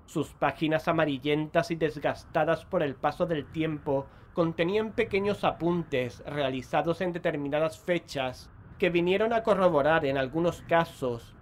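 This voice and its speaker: A man plays an earnest investigator in a horror radio drama, utterly convinced of dark forces. His voice sits fairly high and rings with echo and long reverb. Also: slight background noise, natural voice. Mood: solemn. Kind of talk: audio drama dialogue and narration. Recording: echoey hall with long reverb.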